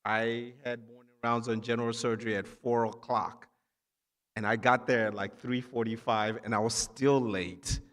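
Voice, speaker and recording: A man from Nigeria giving an encouraging keynote speech to students at a ceremony, with emphatic phrasing and short pauses. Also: mid-range voice, level tone, fairly bright tone. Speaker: keynote speaker, physician assistant. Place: large indoor hall at a ceremony. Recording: echoey hall with long reverb.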